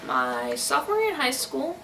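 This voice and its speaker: High-voiced woman interpreting, gravelly edge, distant mic. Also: huge pitch swings, normal speed. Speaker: sign-to-voice interpreter. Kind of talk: voiced interpretation of a signed personal account. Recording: noisy, distant microphone.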